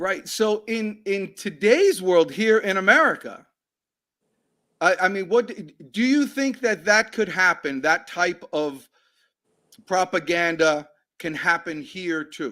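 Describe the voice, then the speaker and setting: In a raised, projected voice with a high pitch and a bright, sharp tone, a man speaks at a very slow pace with lively intonation and long, frequent pauses. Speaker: sales trainer, talk show host. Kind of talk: interview host questions.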